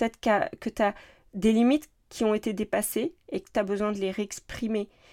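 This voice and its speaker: A woman with an unremarkable speaking voice and a fairly high pitch talks at a moderate pace, in a very clean recording with a silent background and a dry, close sound with no echo. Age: 40s. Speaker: parenting coach and podcast host. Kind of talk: solo podcast monologue, advice. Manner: casual, conversational.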